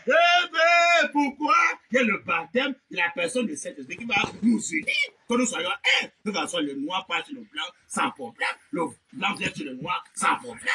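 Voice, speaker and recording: A male preacher delivers a fervent, shouted sermon. His voice sits high and rings with a sharp, intense brightness. He swings from loud high cries down to low murmurs and punctuates his points with repeated amens. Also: slight background noise.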